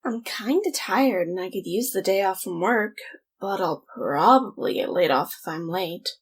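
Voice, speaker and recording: A woman's voice: medium pitch, animated, moderate pace, breathy edge. A woman playing a tired, flippant young reluctant hero in an audio drama, offhand and sarcastic. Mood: offhand, impatient.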